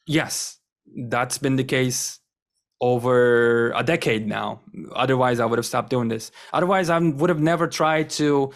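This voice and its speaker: A man's voice: mid-range voice, unhurried, creaky. A young man whose first language is Turkish, a guest chatting casually in an interview, enthusiastic and rambling with lots of fillers. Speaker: guest, wrestling content creator.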